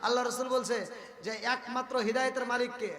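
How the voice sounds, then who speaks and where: A very high-pitched man preaching at a gathering, his voice sharp and forceful. He tells funny stories and keeps asking the crowd whether he is right. The sound is a roomy live recording with a long reverb tail. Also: flat delivery, fast talker. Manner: humorous storytelling, asks the crowd to agree. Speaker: Islamic preacher. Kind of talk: Bengali waz sermon. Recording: echoey live hall with reverb.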